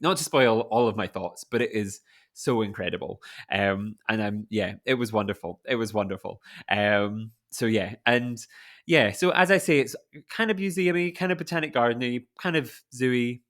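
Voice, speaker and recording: A man with a Scottish accent and a mid-range, fairly bright voice hosts a podcast. He chats casually and enthusiastically, rambling along and filling his speech with lots of "like."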